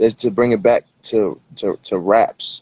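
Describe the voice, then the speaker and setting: Man with a New York accent and a fairly low pitch. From New York City, the Bronx. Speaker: rapper and beat maker. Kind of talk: casual chat. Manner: halting.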